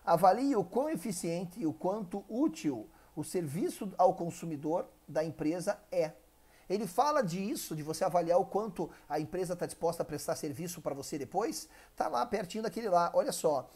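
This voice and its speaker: Brazilian man teaching, mellow voice. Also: high voice, expressive, normal speed, husky. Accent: Brazilian Portuguese. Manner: explanatory, asks the viewer frequent rhetorical questions. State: dry throat. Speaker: English teacher for civil service exam prep. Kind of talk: live online exam-prep class.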